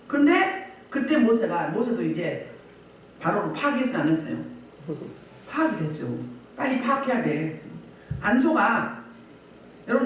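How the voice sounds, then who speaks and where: A woman pastor preaching a sermon, animated and asking the congregation rhetorical questions. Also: on the high side, a little hiss or hum. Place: church hall. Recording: echoey church hall, voice from a distance.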